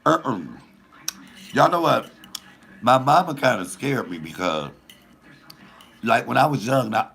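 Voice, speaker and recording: A man with a deep voice telling a profane, animated comic story in casual storytelling style, laughing at his own jokes. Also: measured pace, gravelly, long pauses, husky. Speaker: comedian host.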